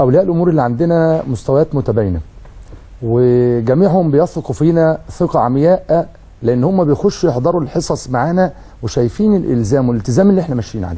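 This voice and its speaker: A man with lively intonation, at a fairly quick pace. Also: fairly high pitch for a man. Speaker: school teacher. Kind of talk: heated debate. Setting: studio. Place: studio.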